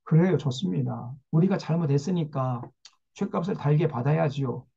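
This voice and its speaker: A man's voice: on the high side, normal speed, gravelly, warm tone, breathy edge, dull audio. A man voicing an indignant male prophet who protests and demands answers from God, in a sermon. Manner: agitated, demanding questions.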